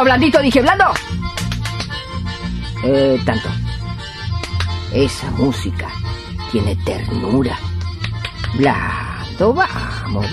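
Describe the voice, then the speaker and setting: An earthy older Argentine healer from a radio play. She orders and coaxes emphatically, her pitch swinging widely, with music clearly playing behind her. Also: full character voice. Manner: commanding, coaxing, emphatic. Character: bossy, earthy older female neighbourhood healer.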